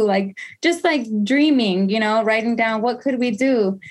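Very clean recording, silent background, and a woman at a fairly high pitch with ordinary pitch variation and a moderate pace. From Reno, Nevada. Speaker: small business owner. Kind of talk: casual interview. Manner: animated.

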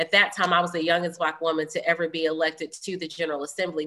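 A woman with an American accent, fairly low pitch, a bright, sharp tone, and a very fast pace. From Greensboro, North Carolina. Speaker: state senator. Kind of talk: interview.

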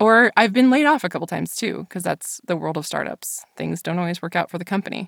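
Rattling along at a very fast pace with hardly any pauses, a woman with a fairly low pitch, vocal fry and lively intonation is heard in a dry, close sound with no echo and a very clean recording with a silent background. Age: 30s. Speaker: voice actor and dialogue editor. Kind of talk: casual interview chat.

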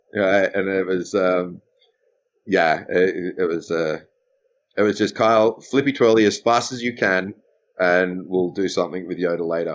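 A man speaks at a moderate pace with an Australian accent. His pitch is very deep and low. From Australia, Sydney. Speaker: fight choreographer and stunt double. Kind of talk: casual chat. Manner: animated.

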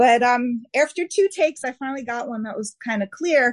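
The voice carries a New York accent at a moderate pace. Pitch varies in an ordinary way, and the sound is dry and close with no echo. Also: woman. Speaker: fanfic writer and fan.

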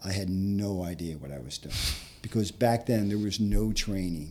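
Speaking in a Philadelphia accent, a man uses a fairly low pitch with ordinary pitch variation and a dark, mellow tone at a moderate pace. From Philadelphia, Harrogate section. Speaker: lacrosse referee and assigner. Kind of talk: interview. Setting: studio.

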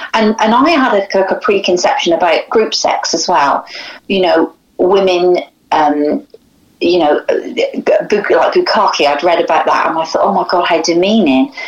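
Noticeable background noise sits behind a woman's voice. She speaks at a fairly slow pace with lively intonation. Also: medium pitch for a woman, very even loudness. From Wales. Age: 50s. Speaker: podcast guest. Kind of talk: casual phone interview, personal storytelling. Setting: phone call. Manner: chatty, humorous.

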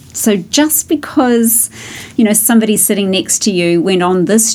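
A woman with a New Zealand accent talks at a moderate pace with lively intonation. Noticeable background noise can be heard. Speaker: company founder and CEO, organizational psychologist. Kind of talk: interview. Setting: in person in Stockholm.

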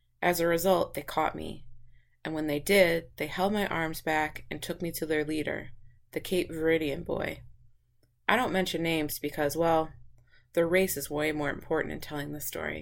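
A woman talks at a moderate pace with a very deep, low pitch and fairly even intonation. Her tone is dramatic, with vocal fry. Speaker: podcast host and book reader. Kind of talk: literary audiobook reading of a memoir, with conversational podcast intro and outro.

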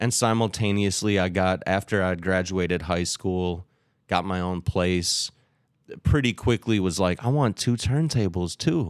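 A man with an American accent speaks in a very deep, low voice with ordinary pitch variation. The recording is very clean, with a silent background and a dry, close sound with no echo. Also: fairly slow pace. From Milwaukee, Wisconsin (Bay View). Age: 40s. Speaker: music producer and DJ. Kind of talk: casual interview chat.

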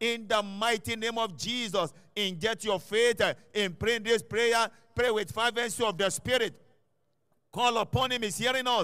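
A man with a high pitch and a bright, sharp tone projects a raised voice at a moderate pace with very even loudness. The recording is very clean, the background silent. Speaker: prayer leader. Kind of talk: fervent prayer, insistent repeated petitions. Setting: church. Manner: urgent, commanding, with 'eh' fillers.

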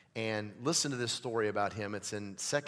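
Very clean and set against a silent background, the recording captures a man speaking at a medium pitch. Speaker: guest preacher. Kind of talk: sermon. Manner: animated; fast.

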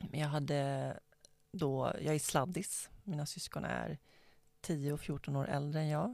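A woman speaks at a very slow pace with a very deep, low pitch and ordinary pitch variation. The recording is very clean, with a silent background. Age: 30s. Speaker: journalist and public speaker. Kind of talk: life story interview. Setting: in-person recording at guest's home.

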